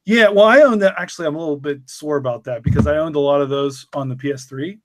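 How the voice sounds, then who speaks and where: A man's voice: fairly high pitch, fast. A man in casual podcast conversation, talking in a chatty, informal way.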